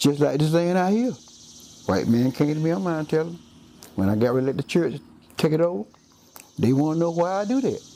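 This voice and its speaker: Though his pace is fairly quick, this man leaves long, frequent pauses, his dark, mellow tone sitting at a fairly high pitch with very wide pitch swings. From US South, eastern North Carolina. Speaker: farmer. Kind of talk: documentary interview.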